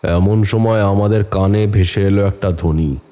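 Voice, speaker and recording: A man's voice: lowish voice, measured pace, background noise, close to an everyday voice. A man playing a tantric holy man, solemnly narrating his uncanny adventures in a dramatic first-person horror story. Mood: solemn, suspenseful. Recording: music bed under the voice. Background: dramatic music.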